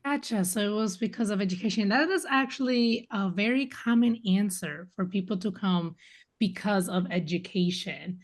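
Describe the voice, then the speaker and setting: A woman with a mid-range voice hosts a podcast interview. She is friendly and affirming, reworking her questions as she goes. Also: mid-range voice. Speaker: podcast host. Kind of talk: casual interview.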